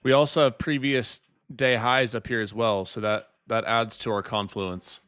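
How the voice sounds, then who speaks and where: A man's voice: mid-range voice, fairly even intonation, normal speed, fairly bright tone, clean tone. A man in his late twenties chatting casually with his live-stream viewers while trading, teasing them and laughing often. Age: 20s.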